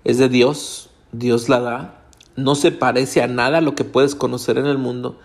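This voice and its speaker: A man's voice: medium pitch, level tone, measured pace. A Hispanic man, a pastor, preaching an earnest sermon straight to his congregation. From Latin America. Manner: earnest, direct address to congregation.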